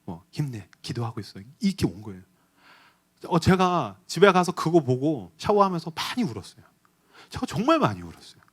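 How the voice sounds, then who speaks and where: A middle-aged male pastor preaching a sermon in a church, telling a story with feeling and moving between loud exhortation and hushed retelling. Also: a little high, huge pitch swings, brisk, husky. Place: church sanctuary.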